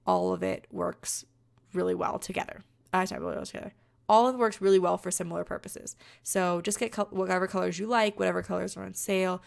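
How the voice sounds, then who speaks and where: A young woman with a rough voice from being sick, chatting casually over her crafting video in a rambling way. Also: fairly low pitch, steady tone, fast. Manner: chatty, rambling, many fillers. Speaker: card-making vlogger.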